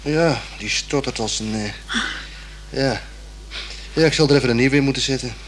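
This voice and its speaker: An actor as a young working-class repairman in a radio drama, with a mid-pitched voice. He is laconic and placating, a little put-upon, and talks in loose colloquial phrases. The recording is clearly noisy, with clicks. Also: normal speed, natural voice. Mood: absorbed, muttering. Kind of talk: Dutch radio play acting.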